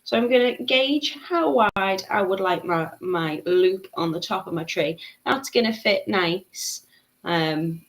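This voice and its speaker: A woman's voice: mid-range voice, expressive, slow, low-quality recording. A woman, giving a live craft tutorial, chatting and laughing as she reads out viewer comments. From Liverpool, England. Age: 30s. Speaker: beading tutor.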